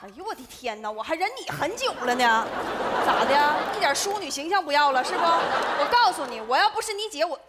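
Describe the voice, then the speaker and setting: A very high-pitched sharp-tongued sister. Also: female voice, big pitch swings, a little fast, a loud crowd, very noisy. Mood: exasperated. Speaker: second daughter. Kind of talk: sitcom acting before a live audience. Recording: roomy stage with loud audience laughter.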